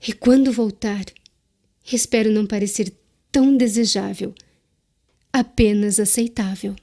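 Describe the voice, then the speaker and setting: An actress playing Death as a mysterious, tender woman in a radio drama, speaking in a solemn, measured, exhorting way. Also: medium pitch, fairly even intonation, mellow. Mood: earnest, urging.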